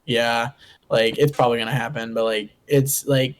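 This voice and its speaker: A man co-hosting a podcast, chatting casually with quick banter. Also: medium pitch, little pitch movement. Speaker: podcast co-host. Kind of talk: casual chat.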